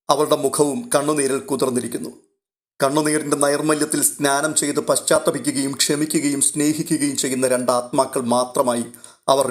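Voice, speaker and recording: A man reading a scripted, literary audio story in a measured, emotive way. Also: medium pitch.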